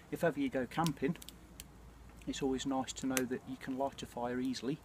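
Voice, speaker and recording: A British man in his forties chatting casually and reflectively to camera, with a hesitant, throat-clearing delivery. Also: medium pitch, steady tone, normal speed. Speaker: bushcraft vlogger. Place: outdoors at night by a small campfire. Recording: clear ambient noise of an outdoor campfire.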